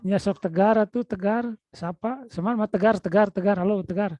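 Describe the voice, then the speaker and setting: Teaching an online class, a man with a Sundanese-influenced Indonesian accent keeps calling out to his students and coaxing them. He speaks in a high voice at normal speed, with no room sound, through dull, lo-fi video call audio.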